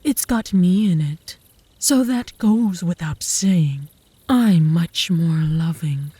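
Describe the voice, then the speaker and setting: A woman's voice: lowish voice, animated, takes it slowly, warm tone, slightly rough, dry recording, full character voice. A woman playing a cocky, possessive young female werewolf who taunts her rival smugly in a comedic ASMR roleplay. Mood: smug, taunting. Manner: smug, taunting.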